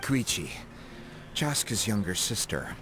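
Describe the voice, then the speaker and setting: A man's voice: fairly low pitch, big pitch swings, takes it slowly, noisy background. A man voicing a weary, frank older uncle in a video game. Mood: reflective storytelling. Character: gruff, candid older uncle of the tribe. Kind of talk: English video game voice acting. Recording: game music behind. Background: game music.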